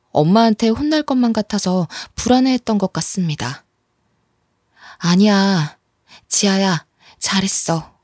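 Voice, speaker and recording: A woman reads a first-person story in a calm, steady narration. Her voice is mid-pitched and sits close and dry, with no room sound. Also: no echo.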